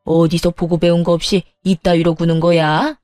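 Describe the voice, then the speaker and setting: A woman's voice: on the low side, level tone, normal speed, dark tone, no room sound, studio quality, soft background music, close to an everyday voice. A woman voicing a harsh, domineering older mother-in-law in a dramatized story, scolding with contempt. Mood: furious.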